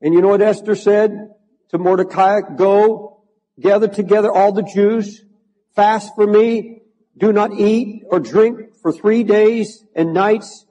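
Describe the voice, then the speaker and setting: This sermon comes from an older pastor in a big church whose voice sits unusually high for a man yet sounds dark, delivered slowly with fairly even intonation. His preaching swells into fervent, emphatic repetition, and a long reverb from the hall trails each phrase.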